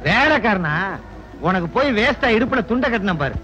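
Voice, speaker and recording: A nosy, blunt village gossip in a Tamil film comedy. His voice is high, the audio is dull and lo-fi, and faint music plays under it. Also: very animated, normal speed, pushed and bright, exaggerated voice. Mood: prying.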